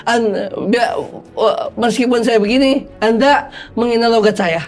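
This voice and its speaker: A man's voice: very high-pitched, steady tone, a little slow. A man in a comic debate, protesting in a mock-serious, insistent, repetitive way. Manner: protesting, insistent, repeats himself. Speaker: comic panel guest playing a flood victim.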